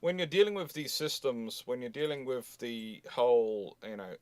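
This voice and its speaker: A man with an ordinary mid-range voice hosts an informal history chat. He talks in a rambling, halting way, doubling back on words before reaching his point. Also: medium pitch, a little mellow. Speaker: live stream host. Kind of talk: casual history discussion.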